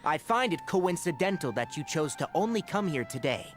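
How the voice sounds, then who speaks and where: An earnest young scholar-guardian in a video game, standing his ground. The voice is fairly high for a man and very expressive, over faint music. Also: moderate pace. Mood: stern, defiant.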